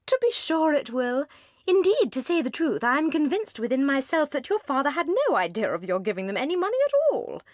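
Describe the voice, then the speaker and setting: A high, lilting English wife who sweeps up and down as she coaxes, as a woman reads her. She is cold and grasping under a sweet, reasonable surface, in a dry, close storybook recording. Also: very animated, fairly quick, no room sound. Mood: coaxing. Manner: persuasive, coolly reasonable. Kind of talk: audiobook character reading.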